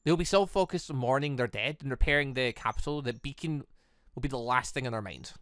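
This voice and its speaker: A man reading the visual novel lines of a cold, scheming villainess in a measured, calculating manner. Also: mid-range voice, a bit bright, no room sound, studio quality, natural voice. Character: cold, scheming villainess plotting a city's downfall. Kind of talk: reading visual novel game dialogue in character.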